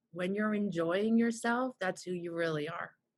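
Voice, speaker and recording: Her tone is animated and somewhat breathy. This woman's voice sits at a medium pitch with ordinary pitch variation. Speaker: empowerment coach. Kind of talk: online course lecture.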